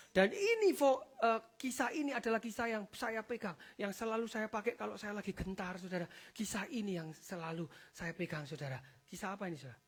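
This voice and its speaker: A pastor with a lilt delivers a spirited church sermon, calling out to the congregation after nearly every phrase. The voice sits in a middling pitch. It surges into loud, emphatic peaks, then drops low and soft for quiet asides. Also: slightly rough. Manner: animated preaching, addresses the congregation as "saudara" after almost every phrase. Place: church service.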